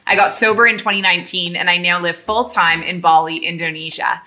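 A woman's voice: on the low side, steady tone, a little fast, sharp tone. A young adult woman with a Canadian accent, reading a scripted podcast introduction as its host.

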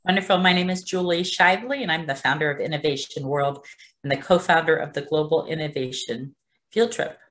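A woman's voice: low-pitched, brisk, a bit bright. A woman hosting an online panel over a video call, encouraging each speaker. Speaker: panel host and organizer.

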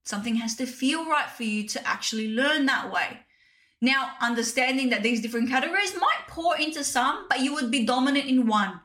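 Woman, 30s, solo podcast host, direct and chatty, bright tone. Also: sits high, lively intonation, a little fast. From Australia. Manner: chatty, direct, addresses listeners as "you guys". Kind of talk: casual solo podcast talk.

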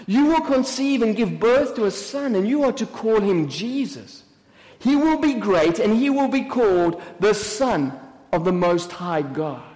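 A man's voice: sits high, animated, a little slow, a little mellow. A man voicing a solemn angel messenger in a Bible story, proclaiming formally with reassuring authority. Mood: reassuring proclamation. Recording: long echoing hall reverb.

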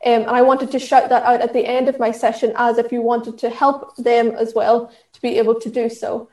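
A woman's voice: fairly high pitch, level tone, normal speed, warm tone, reverberant. Earnest Irish woman giving training. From Ireland. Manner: earnest, instructive, with many fillers and restarts. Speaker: diversity and inclusion trainer. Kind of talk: talk at an online session.

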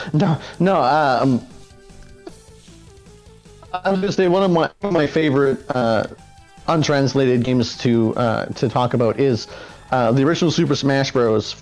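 A man chatting casually as a podcast co-host over a remote call, his speech breaking into glitchy, robotic bursts where the pitch jumps around. He talks hesitantly with plenty of ums and restarts at a middling pitch. Faint music sits underneath. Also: a little slow, long pauses, a little mellow. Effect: glitchy, robotic online call audio with jumping pitch. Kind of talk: casual chat about video games. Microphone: remote call microphone.

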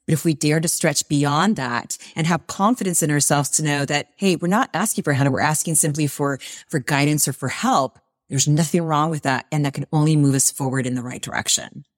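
Woman, forties, podcast guest, encouraging, lower pitch, dry recording. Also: a little fast, dry recording. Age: 40s. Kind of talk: podcast interview.

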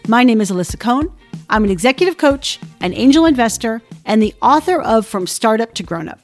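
Woman, podcast host, slightly high voice, dry close sound, introductions and interview questions. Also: expressive, fairly quick, no room sound, soft background music.

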